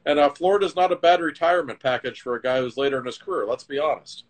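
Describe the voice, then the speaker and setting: A middle-aged man in a casual hockey chat, an animated storyteller with emphatic swings in his voice. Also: on the high side, fast.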